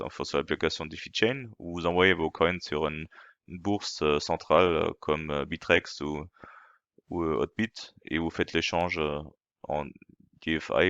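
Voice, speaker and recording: A man's voice: a bass voice, gravelly, a bit bright, smooth, dry recording, dull audio. A man who is not a native speaker, explaining in a casual, hesitant way with many fillers and restarts. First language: not French. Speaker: crypto channel host. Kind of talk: casual explainer translating a video.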